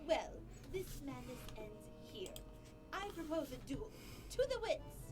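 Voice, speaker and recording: A woman's voice: high-pitched, big pitch swings, slow, music in the background, exaggerated voice. A woman voicing a boastful, theatrical cartoon villainess who is pompous and dramatic. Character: boastful, theatrical female villain, great and powerful. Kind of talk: dramatized cartoon parody dialogue.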